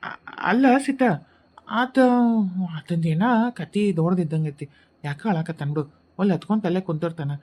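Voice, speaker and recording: A woman's voice: on the low side, expressive, normal speed, pauses often, a little mellow. A woman with a North Karnataka Kannada accent, voicing a sly, grumbling female ghost in a cartoon. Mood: coaxing. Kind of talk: cartoon voice acting.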